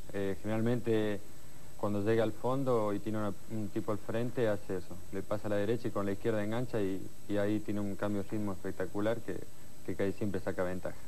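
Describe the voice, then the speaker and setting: A man with a fairly low pitch speaks at a fairly quick pace in a monotone, flat intonation over light background noise. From Argentina. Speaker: professional footballer. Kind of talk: post-match interview. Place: studio.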